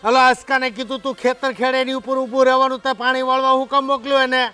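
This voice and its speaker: An actor with a Kathiyawadi accent playing a loud, hot-tempered village farmer who shouts and scolds his wife. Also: extremely high pitch, little pitch movement, fast, clean tone, soft background music. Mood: angry. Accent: Kathiyawadi Gujarati. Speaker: husband and farmer. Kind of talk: village family drama acting.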